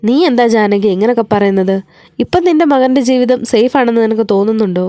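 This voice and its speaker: A woman's voice: on the high side, fast talker, mellow, no echo, lightly acted. A woman voicing a stern, protective old grandmother who talks firmly and scolds. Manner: firm, scolding.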